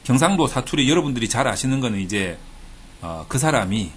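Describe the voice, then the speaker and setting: A man's voice: medium pitch, big pitch swings, a little fast, breathy edge. A man from Busan, giving a casual video lecture on thesis statistics and talking in a chatty way with fillers and playful jokes. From Busan, South Korea. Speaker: research institute director teaching thesis statistics. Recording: faint background noise.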